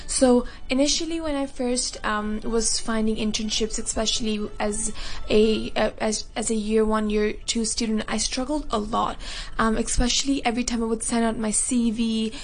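A woman's voice: on the high side, steady tone, normal speed, rough recording. A woman in her twenties, a university student, talking earnestly about her career path with frequent ums. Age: 20s. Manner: earnest, many fillers, softening toward the end. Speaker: university student, charity beneficiary. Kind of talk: recorded interview testimony.

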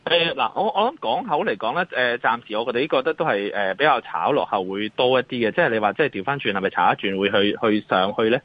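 A man's voice: medium pitch, expressive, quick pace, hardly any pauses, no room sound, phone-quality sound. A man with a Hong Kong Cantonese accent giving off-the-cuff market commentary as an analyst, in a hesitant way that circles back over phrases.

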